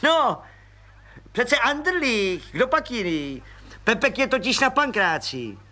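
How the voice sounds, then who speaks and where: A man puts on a fawning little detective in a radio-style story reading, high and bright, all grins and eagerness as he reels off suspects. The tone stays sharp and forward. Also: big pitch swings, heavily acted. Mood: eager. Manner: eager, fawning, rattles off names.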